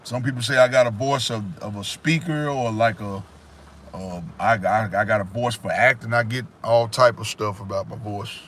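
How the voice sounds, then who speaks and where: A man's voice: lowish voice, normal speed, a bit bright, a little hiss or hum. A man hosting a casual livestream, giving emphatic, preachy life advice straight to his viewers. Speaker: livestream host. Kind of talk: casual motivational livestream talk. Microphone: phone or webcam in front of him.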